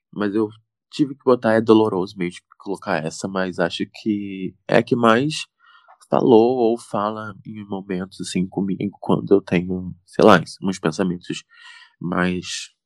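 This man's voice sits at a fairly low pitch, with ordinary pitch variation. He speaks at a fairly slow pace. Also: long, frequent pauses, big swings in loudness. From Brazil, Rio de Janeiro (Baixada Fluminense, Nova Iguaçu). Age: 20s. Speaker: podcast co-host. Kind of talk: casual chat.

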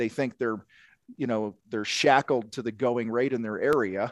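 A man with an ordinary speaking voice at medium pitch, fairly even intonation and a moderate pace, in a very clean, dry, close recording with a silent background and no echo. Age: 50s. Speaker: contractor business coach. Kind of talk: casual interview.

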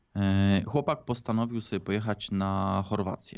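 A man with a normal speaking voice, fairly low in pitch, with fairly even intonation and a fairly slow pace. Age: 30s. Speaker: former emergency dispatcher and paramedic. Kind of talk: casual interview.

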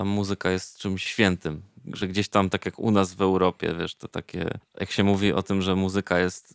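At a moderate pace, a man speaks with a fairly low pitch in a dry, close sound with no echo. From Poland, Świnoujście (Baltic coast). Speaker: musician and composer. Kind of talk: casual chat.

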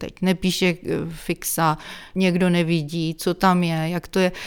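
A woman with an ordinary speaking voice keeps a medium pitch and talks at a moderate pace. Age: 50s. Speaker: university lecturer in economics. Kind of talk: interview. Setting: studio.

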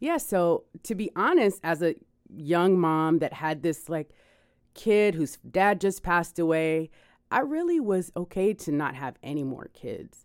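On a very clean recording with a silent background, a woman with an American accent speaks at a fairly slow pace in a plain, everyday voice with fairly low pitch. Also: ordinary pitch variation. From Miami, Florida. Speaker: guest, mother. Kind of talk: testimony.

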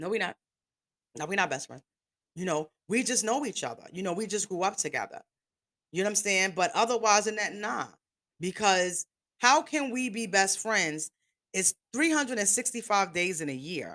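A woman with a medium-pitched voice speaks at a moderate pace in an animated tone with lively intonation, leaving long, frequent pauses. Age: 50s. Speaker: podcast host. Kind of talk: casual monologue.

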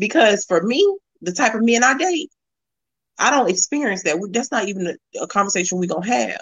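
A woman at a fairly quick pace, fairly high in pitch, with very wide pitch swings. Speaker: podcast host. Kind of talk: casual chat.

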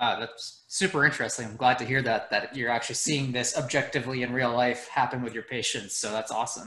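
Talking very fast with a Canadian accent, a man keeps a medium pitch and fairly even intonation. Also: hardly any pauses. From Toronto, Canada. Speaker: radiologist and podcast host. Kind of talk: interview, casual discussion.

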